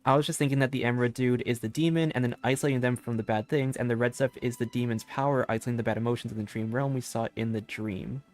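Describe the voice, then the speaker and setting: A woman's voice: rumbling low, fairly even intonation, fast, hardly any pauses, a little mellow. A woman game streamer giving informal live commentary and reading dialogue aloud.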